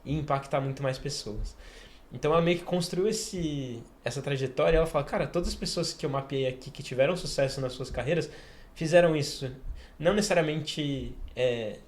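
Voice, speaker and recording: A man's voice: a little high, a little fast. A Brazilian man hosting a podcast. He eagerly explains an idea step by step in a casual way. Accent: Brazilian Portuguese. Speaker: podcast host.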